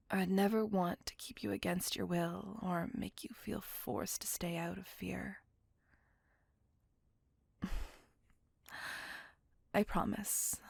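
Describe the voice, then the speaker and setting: A woman voicing a possessive, devoted female vampire on a date, speaking in a soft, close, apologetic and doting whisper. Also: medium pitch, gravelly, husky, dry recording, full character voice. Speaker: voice actor. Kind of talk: ASMR roleplay whispering.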